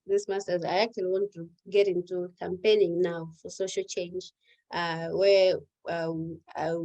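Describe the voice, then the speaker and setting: A woman's voice: lowish voice, darkish tone, rough recording. A young adult woman from Malawi, speaking English as an as the guest in an online panel conversation, explaining earnestly with examples. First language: Chichewa or another Malawian language. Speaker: guest activist.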